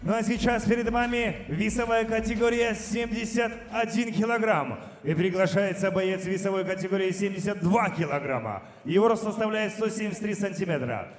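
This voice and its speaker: Booming high-pitched male fight announcer. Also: moderate pace, few pauses. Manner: declamatory, stretching out fighters' names in long shouts. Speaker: ring announcer at an MMA event. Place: large indoor fight venue, over a PA. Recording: echoey hall with long reverb.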